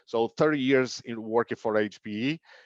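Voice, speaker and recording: A man with a Brazilian accent speaks at a moderate pace, his medium pitch carried by fairly even intonation. The sound is dry and close with no echo, against a quiet background. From Brazil, São Paulo area. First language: Portuguese. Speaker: business executive, keynote speaker. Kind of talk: business presentation. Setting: online webinar. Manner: halting, many fillers.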